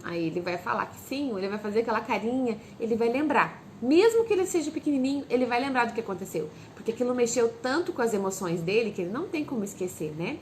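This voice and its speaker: A woman giving direct parenting advice. She asks parents questions and answers them herself, and she acts out calm lines a parent might say to a child. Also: a little high, fast talker, hardly any pauses, a little hiss or hum. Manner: speaks straight to parents, asks and answers her own questions. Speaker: parenting educator.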